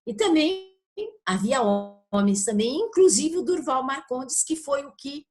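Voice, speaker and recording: Older Brazilian woman, halting academic talk. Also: high-pitched, expressive, a little mellow. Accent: Brazilian Portuguese. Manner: halting, searching for words, with frequent check-in tags. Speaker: university literature professor being interviewed. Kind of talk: informal academic explanation in an interview.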